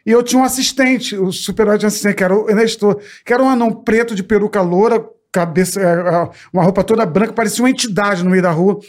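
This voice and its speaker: A man, a guest comedian, telling a story in a casual podcast chat, animated and peppered with profanity. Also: high voice, quick pace, few pauses.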